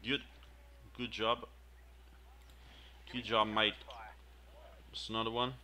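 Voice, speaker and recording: A man's voice: on the low side, level tone, slow, bright, forceful tone. A man giving casual commentary over his own gameplay, muttering reactions and repeating the game's lines back. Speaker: gameplay video host.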